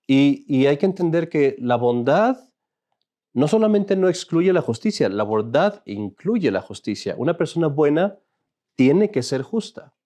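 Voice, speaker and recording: A man's voice: on the high side, very animated, a little slow, mellow. A man, a Catholic priest, teaching an informal class in a conversational, joking way and often asking his listeners questions.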